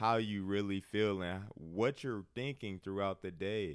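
In a normal speaking voice with an American accent, a man speaks fairly slowly at a fairly low pitch with fairly even intonation on a very clean recording with a silent background. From Milwaukee, US Midwest. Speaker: podcast co-host. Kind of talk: casual chat.

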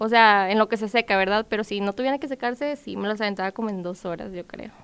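At a fairly quick pace, a woman talks in an unremarkable speaking voice, fairly high in pitch with ordinary pitch variation, on a very clean, dry, close recording with a silent background and no echo. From northern Mexico, Piedras Negras, Coahuila. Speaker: piñata maker and small business owner. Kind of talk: casual interview.

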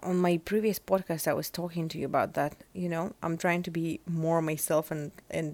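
A woman's fairly low voice in a very clean recording with a silent background. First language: Russian. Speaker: podcast host and channeler. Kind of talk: casual solo podcast monologue. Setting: home recording, evening.

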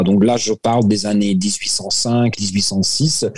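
A man speaks in a dark, mellow tone. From Louisiana, US. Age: 50s. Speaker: cultural advocate, tourism professional. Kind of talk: interview.

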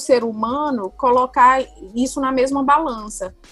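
Against music in the background, a woman speaks at a fairly slow pace in a high pitch with ordinary pitch variation. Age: 40s. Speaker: podcast host. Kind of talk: casual chat.

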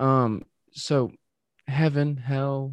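This man speaks with a medium pitch. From US South, Georgia. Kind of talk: casual roundtable chat. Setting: video call.

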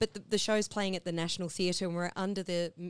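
The speech comes at a very fast pace in an Australian accent. Its intonation is monotone and flat. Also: woman. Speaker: singer. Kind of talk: casual chat.

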